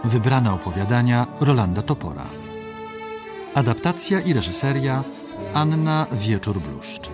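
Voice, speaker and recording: Casting: male title announcer, slow, varied intonation, strong music underneath. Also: mid-range voice, sing-song. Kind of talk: scripted title and credits announcement. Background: loud string music.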